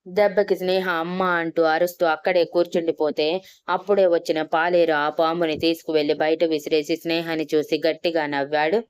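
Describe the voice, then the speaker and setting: Clear low-voiced woman storyteller. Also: flat delivery, a little fast, dry recording. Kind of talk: scripted narration.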